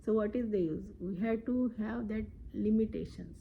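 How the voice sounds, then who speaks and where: A woman's voice: medium pitch, moderate pace, creaky, phone-quality sound, slight background noise. A woman giving a devotional scripture discourse, earnest, often asking "right?" and acting out quotes. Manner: earnest, lively quoting, frequent "right?". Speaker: devotional speaker.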